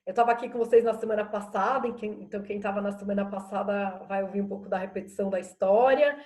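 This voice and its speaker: A woman's voice: medium pitch, fairly even intonation, fast talker, darkish tone. A woman in her forties, a guest HR director, introducing herself in a composed, orderly way. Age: 40s. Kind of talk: self-introduction on a live talk.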